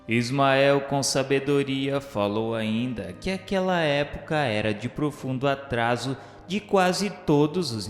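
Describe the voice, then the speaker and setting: A man with a Brazilian accent reads scripted radio novela narration in a solemn, formal, measured manner. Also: mid-range voice. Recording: echoey reverberant voice over music. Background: music bed.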